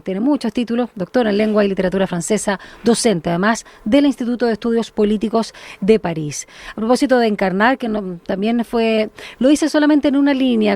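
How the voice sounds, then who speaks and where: A woman's voice: fairly high pitch, darkish tone, no room sound. Chatty woman radio interviewer. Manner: meandering, many restarts and tag questions.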